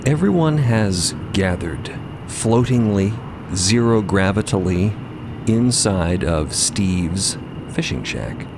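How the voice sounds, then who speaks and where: A man narrating a scripted story with measured, deliberate phrasing. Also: low voice, animated, noisy background. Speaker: podcast narrator.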